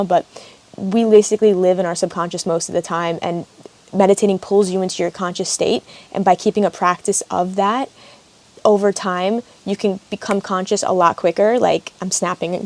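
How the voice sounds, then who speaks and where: A young woman with a lowish, slightly mellow voice hosts a casual solo podcast from an open-air cabin, wind audible behind her. She's a yoga teacher, and her talk is chatty and rambling, packed with "like" fillers.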